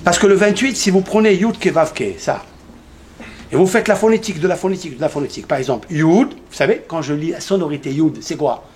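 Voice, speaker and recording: Giving a lively Torah lesson in a synagogue, this rabbi speaks fairly quickly in a slightly high, darkish voice, with a little hiss or hum audible. He throws questions at the congregation, answers them himself, and hammers home key numbers by repeating them.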